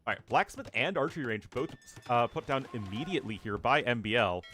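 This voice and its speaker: A man's voice: medium pitch, lively intonation, a little fast, a bit bright, a little hiss or hum. A man giving casual live commentary on a strategy game match while answering chat questions, chatty and thinking aloud. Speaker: streamer and caster.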